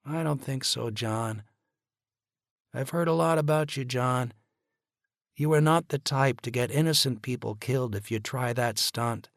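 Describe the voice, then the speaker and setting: A man voicing a weary male doctor who speaks in a tired, cold, measured way. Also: mid-range voice, vocal fry, no room sound, clean studio sound, voice pushed up. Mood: grim.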